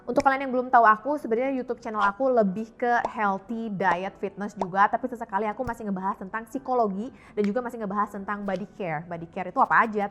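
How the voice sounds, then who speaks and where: Give the voice of a young woman vlogging in a frank, chatty way. Her pitch sits in an ordinary female range, and she slips English phrases into casual talk. Music plays behind her. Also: bright, forceful tone. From Indonesia, mixed European and Indonesian family. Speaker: YouTube health and fitness vlogger. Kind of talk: candid casual vlog talk to viewers.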